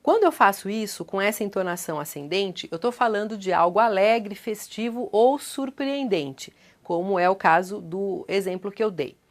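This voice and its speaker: A woman speaking as a coach, giving a measured, didactic lesson on speech delivery with deliberate pauses. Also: medium pitch, animated.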